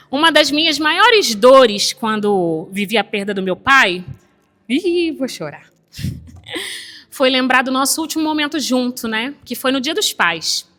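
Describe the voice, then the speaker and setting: São woman preaching, bright voice, chatty and emotional, lots of echo from the church. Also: high-pitched. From Brazil. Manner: emotional, conversational, frequent "né?" asides. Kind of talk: sermon with personal story. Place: church chapel.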